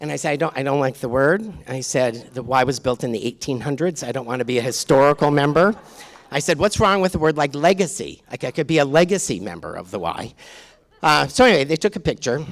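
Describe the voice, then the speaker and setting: Very fast, lively intonation from a man with a fairly high pitch and vocal fry. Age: 60s. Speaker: storyteller. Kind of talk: live storytelling.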